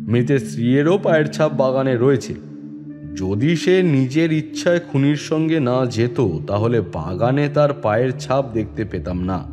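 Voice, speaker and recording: A man with a medium-pitched voice narrates a detective story in the first person and voices the police inspector in a measured, authoritative manner. The recording has long reverb over a music bed.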